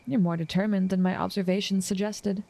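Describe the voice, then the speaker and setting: A woman playing an obsessive, smug assassin smitten with her target, speaking in a teasing, formal, measured and menacing way in an intimate audio roleplay. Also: mid-range voice, fairly even intonation, mellow, natural voice. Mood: earnest, conceding.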